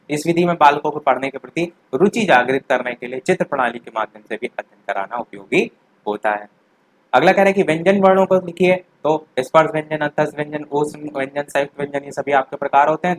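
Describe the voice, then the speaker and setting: A man's voice: on the high side, a little hiss or hum, rough recording. A young man teaching a revision lesson for a teaching exam, explaining each answer plainly, talking straight to the students and repeating the key points.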